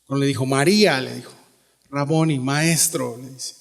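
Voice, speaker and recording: A man's voice: medium pitch, fairly even intonation, moderate pace, creaky. A man with a Mexican Spanish accent preaching a sermon in a church, earnest and conversational, often asking the listeners questions. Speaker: pastor. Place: church sanctuary. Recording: long hall reverb.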